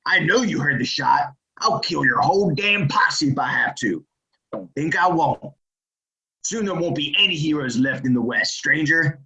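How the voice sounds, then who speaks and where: A forceful, menacing frontier colonel acted by a man with lively swings in pitch. He threatens in folksy Western talk, commanding and vengeful, on a slightly dull recording. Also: moderate pace, creaky, full character voice. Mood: enraged taunting. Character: ruthless, menacing Old West outlaw colonel, commanding and vengeful. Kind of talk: Western audio drama acting.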